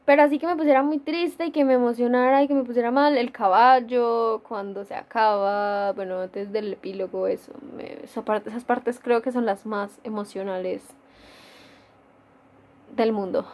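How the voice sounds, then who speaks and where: Chatty young Colombian woman, higher voice. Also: fairly even intonation, normal speed, darkish tone. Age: young adult. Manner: chatty, rambling, laughs often, many fillers. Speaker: gaming YouTuber. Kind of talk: casual Q&A vlog. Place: dim room at home.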